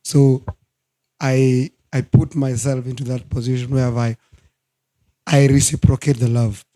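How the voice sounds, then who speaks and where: A hoarse man in his thirties, a guest minister speaking earnestly in a studio talk show interview. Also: medium pitch, level tone, mellow. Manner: slow, earnest, preacherly.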